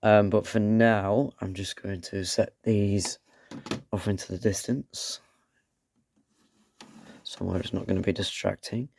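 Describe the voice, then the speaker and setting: A man reviewing a toy with a croaky voice from a cold, rambling and dropping sarcastic asides. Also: lowish voice, fairly even intonation, unhurried, long pauses, a little mellow, slight background noise. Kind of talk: casual product review.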